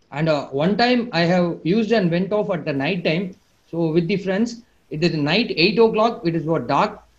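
This man speaks with an Indian accent at a moderate pace. His pitch is high, with ordinary variation. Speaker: network marketing distributor. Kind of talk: online business discussion. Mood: relaxed, smiling. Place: home room. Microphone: earbuds.

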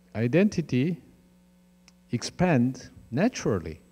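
A man speaks with a Korean accent at a very slow pace. His voice has a dark, mellow tone. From South Korea. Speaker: former diplomat; guest lecturer. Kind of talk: lecture Q&A. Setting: lecture hall with audience. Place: hall. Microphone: handheld.

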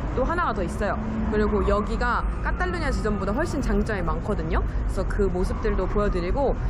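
The speech moves at a very fast pace. Loud background noise fills the recording. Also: woman. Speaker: travel vlogger. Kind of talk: casual vlog chat. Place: street. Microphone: phone near.

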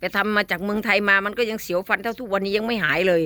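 A woman with an Isan accent speaks at a medium pitch in a bright, sharp tone. Her intonation stays fairly even, and the recording is very clean with a silent background. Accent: Isan Thai. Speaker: online talk show host. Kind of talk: live stream chat.

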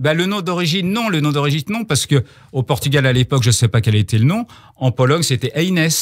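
Against a quiet background, a man speaks at a very fast pace in a somewhat breathy voice with very wide pitch swings. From France, Paris. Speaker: author and retired sports journalist; radio guest. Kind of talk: radio interview. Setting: radio studio. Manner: hesitant, many fillers. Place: studio. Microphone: studio mic.

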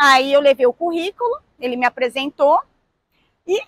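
A woman speaks at a fairly slow pace and a high pitch, with lively intonation and a dry, close sound with no echo. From Itanhaém, São Paulo coast, Brazil. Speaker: professional surfer. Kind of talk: interview.

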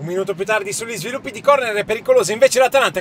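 Over noticeable background noise, a man with a high pitch projects a raised voice in an energetic tone. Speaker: football commentator. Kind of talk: football match highlights commentary, recap voiceover. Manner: fast, energetic play-by-play delivery.

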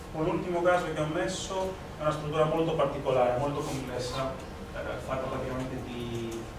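Amid loud background noise and audible room echo, a man talks at a moderate pace. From Greece. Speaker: structural engineer. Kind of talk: lecture. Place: classroom. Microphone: camera far.

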